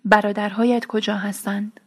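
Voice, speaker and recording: A woman's voice: medium pitch, level tone, slightly rough. A woman reading the lines of a proud old tribal father in his grief, pleading and anguished. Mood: anxious.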